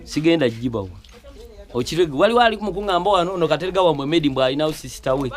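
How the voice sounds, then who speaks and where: A man's voice: on the high side, lively intonation, racing. A man with a Ugandan accent hosting a casual interview on a film set, hesitant with many fillers and restarts. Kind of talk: casual interview, switching to Luganda commentary. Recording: crowd chatter behind.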